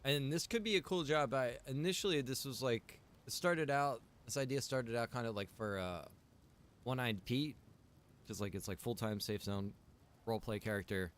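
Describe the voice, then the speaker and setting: A man's voice: medium pitch, moderate pace, a little hiss or hum. A man with a mid-range voice talks to his livestream viewers as host. His style is casual and chatty. He rambles and halts as he goes, dropping in informal asides. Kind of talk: casual chat to stream viewers.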